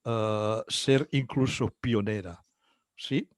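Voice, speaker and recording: A man's voice: lowish voice, steady tone, takes it slowly, no room sound. Older Catalan-native man, dry close sound. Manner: hesitant, many fillers and restarts. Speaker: guest psychologist. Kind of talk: interview answers.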